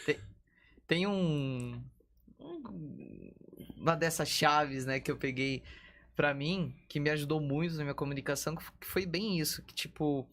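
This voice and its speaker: A podcast host in a casual chat, talking in a relaxed way with frequent agreeing interjections. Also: medium pitch, unhurried.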